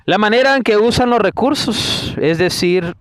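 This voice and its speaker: A man's voice: high voice, expressive, moderate pace, no echo. A man preaching a fiery sermon, scolding and firing off rhetorical questions. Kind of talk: denunciatory sermon.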